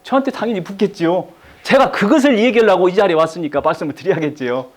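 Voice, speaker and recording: A man's voice: sits high, fast talker. A middle-aged man giving a live lecture to an audience, repeating key phrases and having them echo him back.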